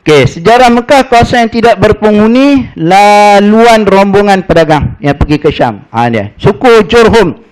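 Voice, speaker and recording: A man with a Malaysian Malay accent leads a Hajj preparation lecture, his voice sitting a little higher than most men's. He talks with a lively storytelling rhythm and keeps breaking in with short "ha" fillers. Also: moderate pace, clean tone. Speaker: religious teacher.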